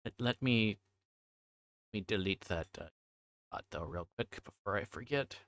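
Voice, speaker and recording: A man livestreaming in casual chat, with a halting, repetitive and scattered way of talking. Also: lowish voice, animated, a bit bright.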